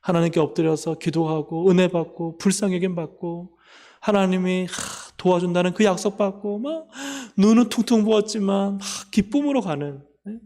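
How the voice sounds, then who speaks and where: Male pastor, emphatic sermon, higher voice, long church reverb. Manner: emphatic, swings between loud calls and soft asides. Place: church sanctuary.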